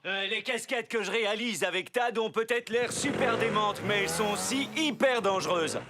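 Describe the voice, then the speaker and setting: A man's voice: sits high, moderate pace, over music. A man playing a brash, reckless extreme stuntman in a French cartoon dub, swaggering and slangy.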